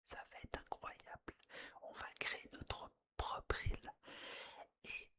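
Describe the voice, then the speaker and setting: A person whispering breathily and closely into the listener's ear, narrating gameplay in a soothing ASMR style and softly repeating phrases. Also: slow. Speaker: gaming ASMR video creator.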